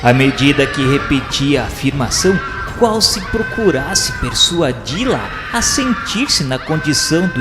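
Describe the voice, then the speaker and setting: A man narrating a radio novela from a script, with solemn, theatrical delivery and literary phrasing. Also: medium pitch. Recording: echoey long reverb, music underneath. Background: clear background music.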